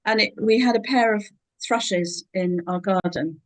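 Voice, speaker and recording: A woman's voice: medium pitch, unhurried. A woman chatting casually as a guest speaker. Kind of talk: casual chat.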